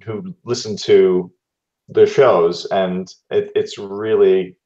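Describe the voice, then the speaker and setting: A man's voice: sits low, fairly even intonation, slow pace, mellow. A man chatting casually on a podcast with a wry, teasing manner, on dull audio. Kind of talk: casual chat.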